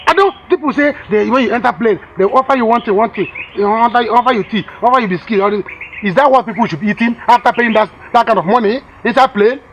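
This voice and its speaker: A man's voice: very high voice, quick pace, a bit bright, muffled recording, a little hiss or hum. A man with a Nigerian accent playing a boastful, scheming village husband who sells bushmeat. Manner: boastful, coaxing.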